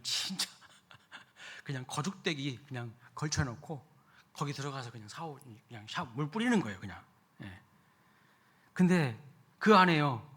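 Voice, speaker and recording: A middle-aged male pastor preaching a Sunday sermon in a church, animated, with big swings in loudness and many rhetorical questions to the congregation. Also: fairly high pitch, husky. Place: church sanctuary.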